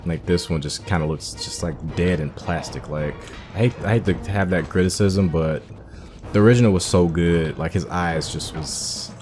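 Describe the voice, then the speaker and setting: A man hosting a game playthrough, giving relaxed, rambling commentary full of fillers. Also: low-pitched, normal speed, over music. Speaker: gaming host. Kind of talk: casual gameplay commentary.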